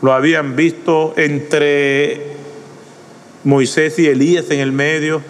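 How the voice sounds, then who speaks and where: A male pastor delivers an impassioned sermon in a high voice, taking his time between phrases. His fervent delivery rises into shouted appeals. The sound carries the long reverb of a large church hall. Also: little pitch movement, takes it slowly, a little hiss or hum. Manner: impassioned preaching that swells into shouted pleas.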